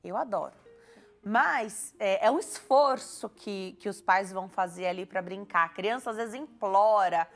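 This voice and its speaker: A woman hosting a studio talk show, chatting easily with her guest. Her pitch sits in the middle, and her speech rises and falls freely with many tag questions. Soft music plays faintly under her voice. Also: a little slow. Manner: conversational, warm advice-giving, frequent tag questions. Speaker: TV health show host.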